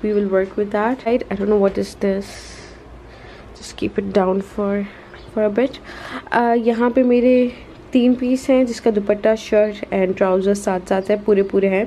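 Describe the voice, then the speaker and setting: With noticeable background noise behind her, a woman speaks at a fairly high pitch in a monotone, flat intonation. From Pakistan, Karachi. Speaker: beauty and lifestyle vlogger. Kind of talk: casual vlog. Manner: slow, low-energy; soft-spoken.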